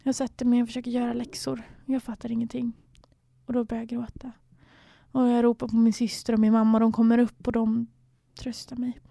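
A woman's voice: on the high side, flat delivery, creaky, hardly any pauses, warm tone, no room sound. A young woman from Sweden, candidly telling her own story in a reflective way, sometimes dropping to near a whisper. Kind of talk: personal storytelling.

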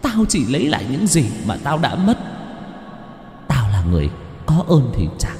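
A man's voice: mid-range voice, huge pitch swings, normal speed, warm tone, reverberant, big-room sound, soft background music, pitched above the performer's own voice. A man voicing a vengeful female ghost in a horror story, hissing and menacing.

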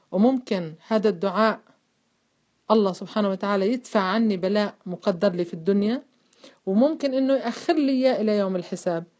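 Fast-talking woman teaching religion. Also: medium pitch, a little mellow. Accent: Levantine Arabic. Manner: fast, conversational, often asks listeners if they follow. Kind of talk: informal religious lesson to women. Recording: dull lo-fi recording.

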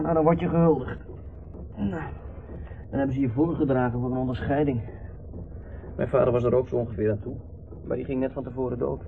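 An actor playing a breezy, sardonic young drifter and outsider in a Dutch radio drama. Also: male voice, fairly high pitch, gravelly. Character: rebellious young drifter, cheeky, scornful outsider. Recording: noisy, phone-like old radio play recording.

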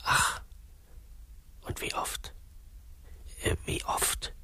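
An actor in a satirical radio play, playing a worldly, scheming Catholic priest with an unctuous, paternal, probing manner. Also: male voice, drawn-out words, sharp tone, in a whisper, heavily acted. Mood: stern, probing.

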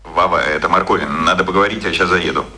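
Very deep, husky, brusque businessman. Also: quick pace, bright, forceful tone, full character voice. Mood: insistent. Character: imposing, brusque, patronising businessman, a man. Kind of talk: radio drama acting.

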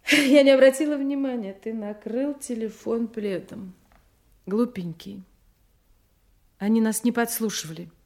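An actress playing a lovelorn double agent, bitter and vulnerable, with pointed, emotional delivery in a Russian audio play. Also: female voice, mid-range voice, darkish tone, natural voice. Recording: music under the voice.

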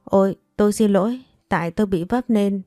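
Woman doing a clumsy stammering young man, dark mellow tone. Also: medium pitch, fairly quick, dry recording, clean studio sound, faint music behind, close to an everyday voice. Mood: apologetic. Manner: stammering, apologetic.

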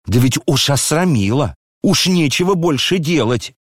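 A man's voice: expressive, moderate pace, slightly rough, no room sound. A man doing indignant older noblewoman Lizaveta. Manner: indignant scolding, shrill outbursts. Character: agitated noble older woman, scolding. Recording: dry close studio sound.

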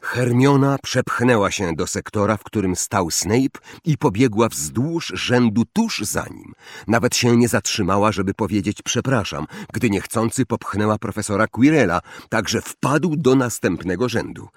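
A man narrating an audiobook with expressive, dramatic storytelling. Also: fairly low pitch, normal speed, no echo, studio quality. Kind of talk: audiobook reading.

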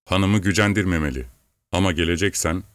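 A man's voice: sits low, brisk, no room sound, lightly acted. A man doing a smug, curt landowner. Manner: curt, stressing each syllable.

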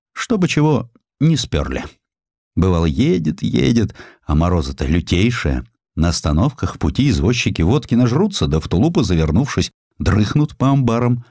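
A man's voice: sits low, a little mellow, dry recording, clean studio sound. A male audiobook narrator reading a historical sketch expressively, with a theatrical, folksy manner that savors phrases.

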